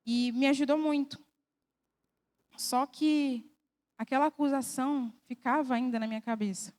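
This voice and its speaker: High-voiced young woman giving earnest testimony. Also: fairly even intonation, moderate pace, a little mellow. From Brazil. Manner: earnest, emotional, conversational. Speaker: church testimony speaker. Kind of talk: personal testimony in church.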